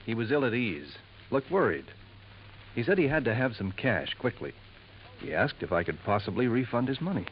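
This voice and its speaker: An actor playing a smooth, confiding male jeweler who drops insinuating hints in a 1950s radio drama, on a dull old recording. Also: medium pitch, sing-song, normal speed, a little hiss or hum, natural voice.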